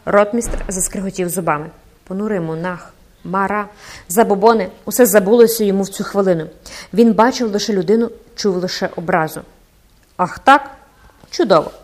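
Woman, audiobook narrator, expressive, dramatic reading, middle pitch. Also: fairly quick. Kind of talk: scripted narration.

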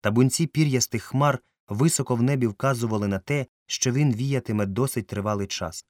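A man narrating a novel in a measured, clear reading. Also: mid-range voice, darkish tone, no echo, studio quality. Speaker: audiobook narrator. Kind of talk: scripted narration.

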